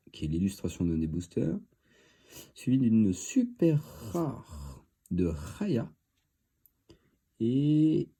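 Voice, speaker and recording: A man's voice: fairly low pitch, warm tone, husky. A man with a cold and a stuffy voice, chatting casually as he opens trading card packs, thinking aloud with lots of fillers. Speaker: card-opening video host. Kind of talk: casual commentary while opening card boosters.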